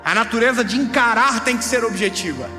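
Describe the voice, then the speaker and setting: A man in his thirties preaching a sermon with emphatic, playful delivery, rising to near shouts. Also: very high voice, a little fast. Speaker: pastor. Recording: live hall with long reverb and music.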